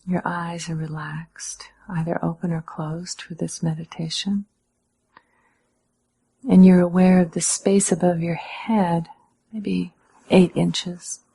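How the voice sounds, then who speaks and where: A female meditation teacher guides listeners with calm, measured instructions and gentle pauses. Her voice is breathy, slightly husky, and lowish.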